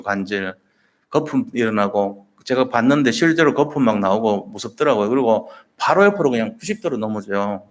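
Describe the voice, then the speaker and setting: A man preaching a Sunday sermon as pastor, telling the story vividly and acting out the voices in quotes. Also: medium pitch.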